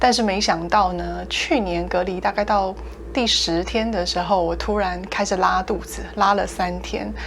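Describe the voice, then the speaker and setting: The speaker talks in a Taiwanese accent at a moderate pace. Noticeable background noise can be heard. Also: woman. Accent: Taiwanese Mandarin. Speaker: language teacher. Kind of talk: casual talk to camera. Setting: hotel room.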